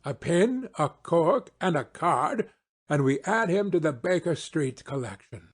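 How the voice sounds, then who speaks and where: A man's voice: a little high, animated, unhurried, husky. A man playing a confident, eager male detective in an audiobook, with commanding, precise phrasing. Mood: exultant. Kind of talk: audiobook character acting.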